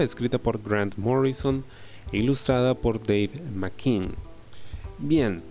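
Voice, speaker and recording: A man's voice: medium pitch, gravelly, darkish tone. A man reviewing a graphic novel in a casual, reflective way, often tagging his points with questioning asides and a few hesitant fillers. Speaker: comic book reviewer.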